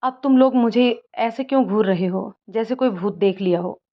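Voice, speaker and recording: A woman's voice: medium pitch, moderate pace, close to an everyday voice. A woman voicing an upset young man who is pleading and exasperated, on a slightly dull recording.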